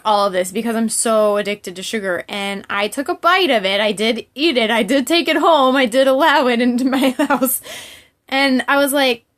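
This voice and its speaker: Higher-pitched woman chatting casually. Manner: giggly, candid, rambling. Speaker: livestream host. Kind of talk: casual livestream chat with viewers.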